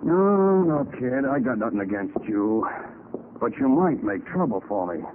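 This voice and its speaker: Cocky crook with a gun, 1940s radio crime drama. Slangy, animated menace, tinny vintage sound. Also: male voice, mid-range voice, unhurried. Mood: smug, cold. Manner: tough slangy gangster talk. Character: cocky male gangster killer and swindler holding a gun. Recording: scratchy, thin 1940s radio recording.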